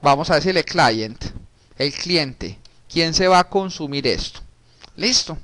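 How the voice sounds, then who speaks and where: A man, teaching a programming class in a relaxed way while working on screen. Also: on the high side, unhurried. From Colombia. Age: 30s. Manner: casual, talks while typing, frequent restarts and diminutives. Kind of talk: recorded screen-share coding lesson.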